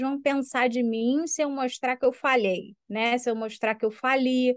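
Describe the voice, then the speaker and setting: Her pitch is high and her intonation fairly even. The woman speaks at a moderate pace. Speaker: coach, former architect. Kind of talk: interview testimony.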